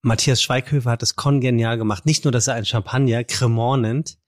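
A man's voice: mid-range voice, steady tone, no room sound, clean studio sound. A man co-hosting a podcast, teasing his co-host in casual banter. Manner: teasing, quick.

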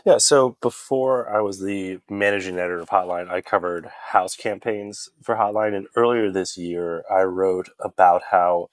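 A man's voice: low-pitched, fairly even intonation, normal speed, few pauses, dry recording. A man, a political editor, explaining his reporting in a plain, conversational way on a panel. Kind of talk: panel discussion.

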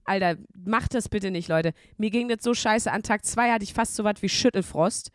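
A woman's voice: mid-range voice, no echo, clean studio sound. Casual podcast woman telling stories. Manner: storytelling, mimics callers in a slow flat voice. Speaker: podcast co-host. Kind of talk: casual chat.

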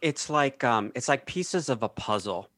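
A man on a podcast, speaking in a measured, reflective way in casual chat. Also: medium pitch, animated, a bit bright, no echo.

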